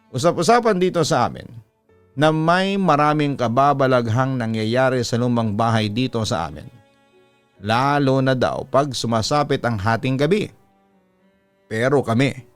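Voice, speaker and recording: A man's voice: medium pitch, clean tone, no room sound. A man with a Filipino accent narrating a scripted first-person horror story, reading out a letter as the storytelling host. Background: background music.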